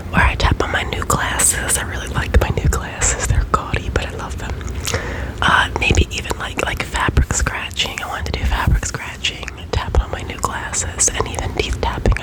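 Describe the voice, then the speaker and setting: A middle-aged American woman whispering a chatty, rambling ASMR monologue very close to the microphone in a room at home. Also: rough recording. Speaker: ASMR video creator. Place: small room at home, indoors. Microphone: USB condenser microphone held close to the mouth.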